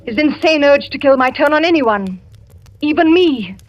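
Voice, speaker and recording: An actress playing a French wife in wartime, secretive and deceptive, speaking in hushed, measured 1940s radio drama style. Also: female voice, high voice, expressive, lo-fi sound, slight background noise. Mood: fearful.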